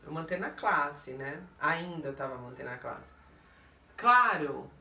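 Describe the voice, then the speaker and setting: A woman's voice: low-pitched, normal speed, pushed and bright, slight background noise. A Brazilian woman vlogger with a Brazilian Portuguese accent, telling a story to her viewers in a blunt, emphatic way that keeps turning to her audience. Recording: roomy echo, distant mic.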